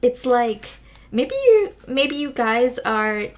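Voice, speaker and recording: A woman doing a casual pick-a-card tarot reading, rambling with lots of fillers and restarts, her voice a little hoarse from losing it. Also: on the high side, big pitch swings, slow pace. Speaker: tarot reader.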